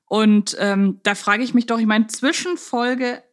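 A woman co-hosting a podcast in a casual conversational style, talking in a measured, reflective way as she thinks her points through. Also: on the high side, fairly even intonation. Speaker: podcast co-host.

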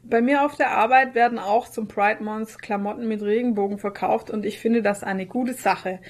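A woman co-hosting a podcast in casual, chatty, expressive conversation. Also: on the high side, moderate pace. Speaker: podcast co-host.

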